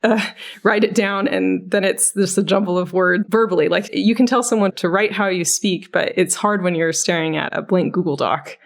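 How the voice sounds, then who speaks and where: Creaky-voiced woman in casual chat. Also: lowish voice, normal speed. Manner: informal, conversational. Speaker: podcast co-host, technical writer.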